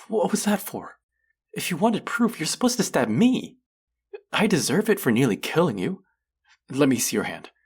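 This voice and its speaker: A man acting an earnest, gently wry thousand-year-old immortal in an intimate audio roleplay, speaking in a hesitant, confiding way. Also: on the low side, creaky, husky, exaggerated voice. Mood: alarmed, then stunned, anxious. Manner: hesitant, confessional, softly reassuring.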